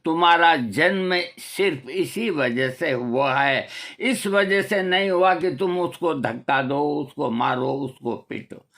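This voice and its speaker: A man's voice: fairly high pitch, slow, a bit bright. An older man giving a preachy, scolding talk with rhetorical questions, as a homeopathy vlogger. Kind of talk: moral talk to camera.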